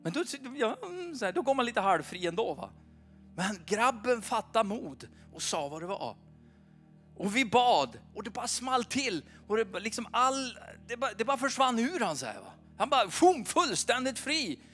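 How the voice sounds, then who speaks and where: A man in his forties preaching an informal, animated sermon at a church meeting, often asking his listeners "va?". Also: high-pitched, faint music behind. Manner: chatty, animated, keeps asking the crowd "va?".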